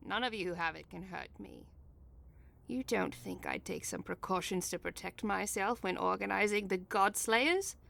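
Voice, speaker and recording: A woman's voice: mid-range voice, normal speed, gravelly, fairly bright tone. A woman playing a cold, sardonic, ruthless schemer in an audio drama, with a smug, mocking manner. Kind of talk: audio drama comedy acting.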